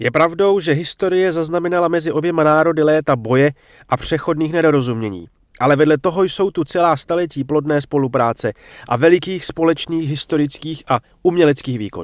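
With a solemn tone and fairly high pitch, a man speaks at a fairly quick pace with ordinary pitch variation, in a dry sound with no echo against a quiet background. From Czech lands. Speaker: government minister giving speech. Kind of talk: formal political speech. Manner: formal, declamatory, solemn. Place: hall.

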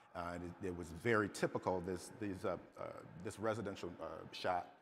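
With light background noise behind him, a man talks at a moderate pace and with fairly even intonation. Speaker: local historian and reporter. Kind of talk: history presentation. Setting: stage with audience. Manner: halting, many filler words. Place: hall. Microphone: podium.

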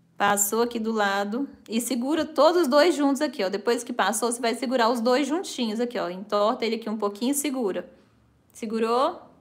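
A woman speaks at a fairly quick pace with a high pitch. She talks in a Minas Gerais accent. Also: ordinary pitch variation. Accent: Brazilian Portuguese, mineiro. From Minas Gerais, Brazil (Belo Horizonte); Minas Gerais, Brazil. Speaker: sewing teacher, channel host. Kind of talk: live-stream tutorial. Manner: soft-spoken. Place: home room.

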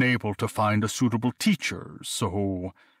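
Over a silent background in a very clean recording, a man uses a put-on character voice at medium pitch and a moderate pace. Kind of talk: audiobook character voice. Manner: hesitant, nervous.

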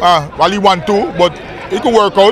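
A high-pitched male voice with a Belizean Kriol accent at a fairly quick pace, dry with no echo, over background crowd noise. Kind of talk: auction-goer interview, casual talk. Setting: outdoors at police auction. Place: street.

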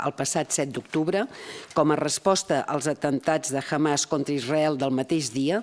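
A woman's very deep, low voice at a fairly slow pace with fairly even intonation. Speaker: council meeting chair. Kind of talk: formal statement reading. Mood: formal, serious. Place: hall. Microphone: podium.

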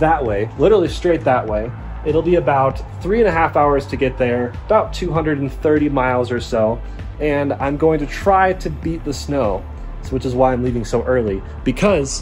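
A man talking at a moderate pace with faint music in the background. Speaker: car vlogger. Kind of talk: casual vlog chat. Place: garage. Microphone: phone near.

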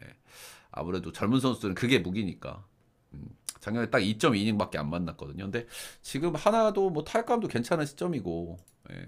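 Over a silent background in a very clean recording, a man with a medium-pitched voice and vocal fry talks at a fairly quick pace, with very wide pitch swings and long, frequent pauses. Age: 40s. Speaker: sports betting analyst. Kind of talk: sports betting analysis. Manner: casual, many fillers.

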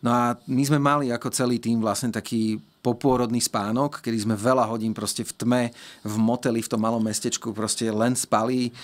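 The man's delivery is monotone and flat, moving at a moderate pace. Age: 40s. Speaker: ultramarathon runner; guest. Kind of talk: interview. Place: studio. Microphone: studio mic.

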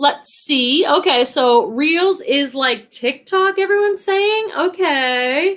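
Against a quiet background, a woman with an American accent speaks very slowly in an extremely high voice, with very wide pitch swings and very even loudness. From Massachusetts, Boston area. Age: 40s. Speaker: online reseller and YouTuber; online reseller, YouTuber. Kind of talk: casual livestream chat. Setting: live stream with chat. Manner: animated. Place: home room. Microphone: webcam.

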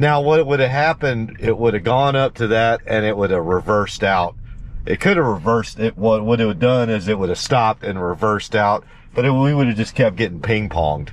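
A man is talking at a fairly quick pace. The sound is dry, with no echo. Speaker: ride host. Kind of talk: casual chat and commentary. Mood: relaxed, friendly. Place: car. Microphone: camera far.

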